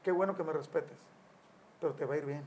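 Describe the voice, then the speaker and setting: A man's voice: on the high side, fast talker, a little mellow, a little hiss or hum. A man in his sixties, a family counselor, giving Christian teaching on parenting in a storytelling way. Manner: storytelling, acts out quotes with raised voice.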